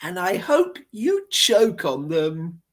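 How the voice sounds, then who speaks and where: A woman's voice: on the low side, big pitch swings, slow pace, exaggerated voice. A woman voicing a rude, bossy young girl in a green hood who snarls and whines nastily. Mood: sneering. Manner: snarling, whining, nasty.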